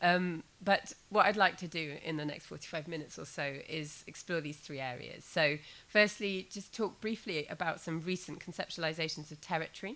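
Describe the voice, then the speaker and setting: A woman's fairly low, bright, sharp voice with ordinary pitch variation, on a very clean recording with a silent background. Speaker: academic lecturer. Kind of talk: lecture. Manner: fast.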